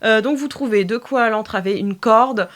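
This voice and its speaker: A woman narrating an improvised tabletop role-playing game as game master, often pausing to search for her words. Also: fairly high pitch.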